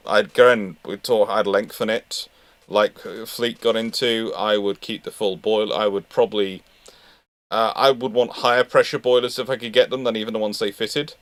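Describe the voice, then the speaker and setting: Low-pitched man, halting and discursive. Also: fairly even intonation, dry recording. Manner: halting, discursive, thinking aloud. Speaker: naval history host answering questions. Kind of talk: informal live question-and-answer talk.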